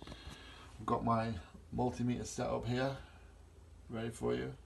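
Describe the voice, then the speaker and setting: A middle-aged man with a gravelly, creaky voice walks through a repair step by step as a gas engineer. He talks plainly into a phone he holds himself. The sound is that of a small indoor workshop. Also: mid-range voice, flat delivery, unhurried, slight background noise. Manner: plain step-by-step explaining, filming on his own phone. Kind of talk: hands-on repair demonstration. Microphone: phone camera held in hand.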